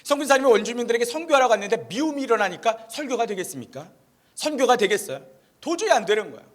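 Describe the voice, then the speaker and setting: A man's voice: extremely high pitch, big pitch swings, fast talker, fairly bright tone. A male pastor preaching a sermon, telling a story and putting rhetorical questions to the congregation. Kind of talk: Christmas sermon.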